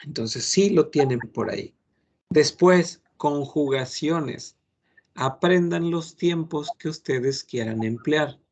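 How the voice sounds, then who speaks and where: A man's voice: on the high side, lively intonation, measured pace, creaky, hardly any pauses, darkish tone. A man, a French teacher lecturing his class in an earnest, admonishing way, giving many examples.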